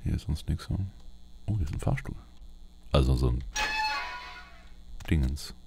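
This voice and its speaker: A man's voice: extremely low pitch, lively intonation, a little slow, creaky, loud music behind the voice. A man giving casual in-character game commentary, muttering to himself in short fragments. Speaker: let's player. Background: video game ambience.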